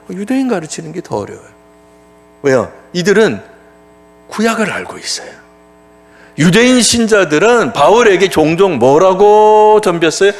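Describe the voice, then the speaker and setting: A male pastor preaches in a church with a fairly high voice. His pitch rises and falls a great deal as he talks. He keeps the sermon conversational and answers his own rhetorical questions.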